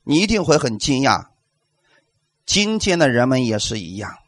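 A man's voice: medium pitch, big pitch swings, normal speed, a bit bright, dry recording. A male pastor delivering a sermon, emphatic, asking the congregation rhetorical questions and acting out quotes.

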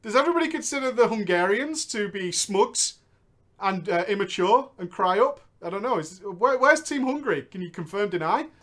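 This is a man hosting a comedic story-reading show, trading jokes with his co-host. His pitch moves a lot, and he swings between shouted bursts and muttered asides, often breaking into laughter. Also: expressive, moderate pace.

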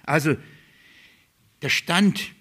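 A man's voice: on the high side, drawn-out words, breathy edge. A man preaching a sermon, emphatic and direct, asking rhetorical questions and calling his listeners beloved. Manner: emphatic, rhetorical questions, swings between loud stresses and quiet drops. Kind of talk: sermon on a Bible letter.

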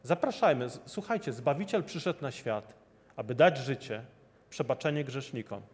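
A man's voice: medium pitch, lively intonation, normal speed. A man preaching a sermon, earnestly repeating rhetorical questions to his listeners. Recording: long hall reverb.

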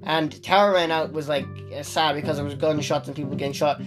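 A man's voice: on the high side, steady tone, brisk, music in the background. Irish guy rambling on a podcast, lots of ums, phone mic. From Ireland. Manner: rambling, many restarts and fillers. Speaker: podcast co-host. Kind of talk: casual chat. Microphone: phone on the table.

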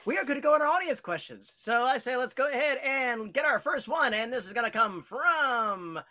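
Panel moderator, wry, teasing, bright voice, mid pitch. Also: animated, brisk. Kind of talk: hosting a panel.

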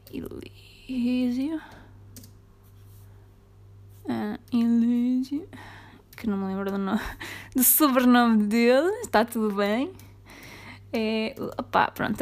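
A woman from Mangualde in Portugal with a light Beira-tinged European Portuguese accent, hosting a casual solo podcast. She rants in a chatty way, jumping between loud bursts and near-whispers. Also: a little high. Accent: European Portuguese, slight Beira. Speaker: podcast host.

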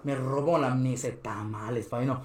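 A young man with a Mexican Spanish accent, guesting on a podcast, relates casual stories while laughing often and mimicking other people's voices. His voice is mid-range and darkish, steady in tone and normal in speed, and the recording has an echoey room sound.

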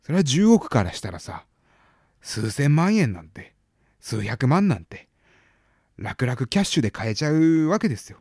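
A man's voice: medium pitch, very animated, moderate pace, pauses often, darkish tone, husky, dry recording, clean studio sound. A man in his thirties hosting a casual solo talk, rambling along with hesitant fillers and bursting now and then into exaggerated exclamations. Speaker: podcast host.

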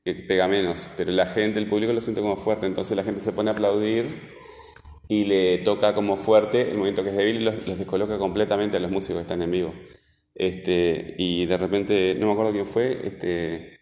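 A man's voice: low-pitched, flat delivery, normal speed, darkish tone. A man with a Rioplatense accent, a teacher questioning a student and explaining concepts with many fillers. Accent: Rioplatense Spanish. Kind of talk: interviewing a student in class. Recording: echoey room with long reverb.

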